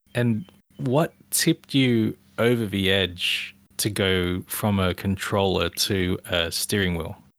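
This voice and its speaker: In a very clean, dry, close recording with a silent background and no echo, a man with an Australian accent and a fairly low pitch speaks at a very slow pace with ordinary pitch variation. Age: 40s. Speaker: podcast host, gamer. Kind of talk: casual chat.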